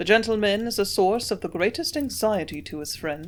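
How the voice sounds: Reading in a natural voice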